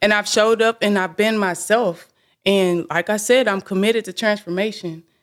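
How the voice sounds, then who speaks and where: Here is a woman with a plain, everyday voice and an American accent. Her medium-pitched voice moves at a moderate pace with ordinary pitch variation. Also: very clean recording, silent background. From Chicago, South Side. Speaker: motivational speaker and mentor. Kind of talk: interview, personal story. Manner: laughs often.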